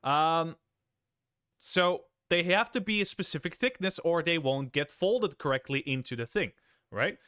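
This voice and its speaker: Smooth-voiced young man telling a work story. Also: fairly high pitch, lively intonation, a little slow, sharp tone, no echo, studio quality. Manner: rambling, self-interrupting, thanks viewers between story bits. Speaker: streamer. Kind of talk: casual livestream chat.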